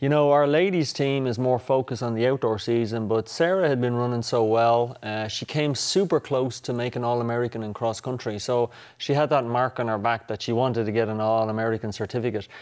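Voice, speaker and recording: A man's medium-pitched voice at a fairly quick pace, hardly any pauses, ordinary pitch variation, and a quiet background. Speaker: college track and cross country coach. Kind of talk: interview. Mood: relaxed, friendly. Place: studio.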